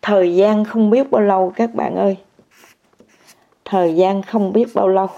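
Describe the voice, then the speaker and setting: Older woman, mellow voice, personal testimony, repetitive and emphatic, talks straight to listeners. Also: mid-range voice, fairly even intonation, moderate pace, creaky, slight background noise. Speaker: meditation practitioner sharing an experience. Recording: muffled lo-fi recording.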